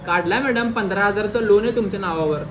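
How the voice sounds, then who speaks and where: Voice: medium pitch, fast talker. A person, chatting casually as a vlogger and persistently playing a mock-earnest caller in a phone prank. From Solapur, Maharashtra, India. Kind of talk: casual vlog chat and prank phone call. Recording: clearly noisy ambient recording.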